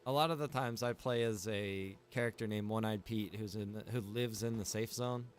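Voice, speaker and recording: A man with a fairly low voice chats casually at a moderate pace while livestreaming a game. He rambles along in a relaxed, laid-back way.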